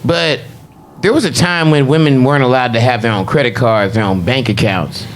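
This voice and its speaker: A man co-hosting a casual comedy podcast who talks fast and jumps in on the others. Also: medium pitch, a little hiss or hum. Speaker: podcast co-host.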